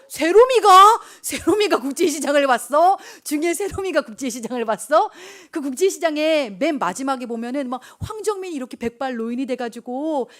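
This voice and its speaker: A woman youth pastor giving an informal, exhorting sermon to teenagers, asking them direct questions and moving between emphatic calls and hushed, intimate lines. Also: high-pitched. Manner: talks to listeners directly with rhetorical questions.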